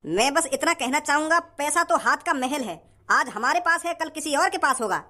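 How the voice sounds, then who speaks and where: Man doing a squeaky swaggering rich kid. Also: lively intonation, moderate pace, bright, forceful tone, full character voice. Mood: boastful. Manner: swaggering, scolding. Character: brash rich young male show-off.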